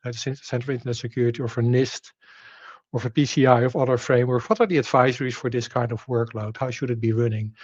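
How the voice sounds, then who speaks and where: A man's voice: medium pitch, darkish tone, dry recording. Dutch guy doing a tech talk over a slightly muffled mic, asks himself questions, lots of uhs. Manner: explanatory, frequent fillers and restarts, rhetorical questions. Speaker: presenter. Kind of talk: technical presentation.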